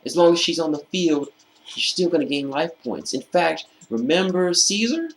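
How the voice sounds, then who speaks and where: Here a man walks through a card game deck casually, reading card text and slowly repeating important phrases for stress. His slightly hoarse voice is a little high and expressive, and the recording quality is low.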